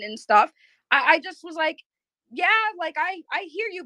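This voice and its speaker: A woman's voice: high voice, a bit bright, no echo. A woman who makes drama videos on YouTube, talking bluntly and heatedly in a casual online chat, swearing freely and restarting her sentences.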